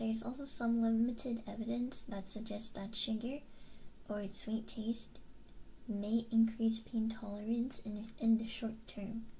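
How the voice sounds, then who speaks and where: The woman's voice is fairly high and somewhat breathy. She speaks at a fairly slow pace with monotone, flat intonation. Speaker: virtual streamer. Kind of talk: casual livestream talk, coworking session. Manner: casual, conversational.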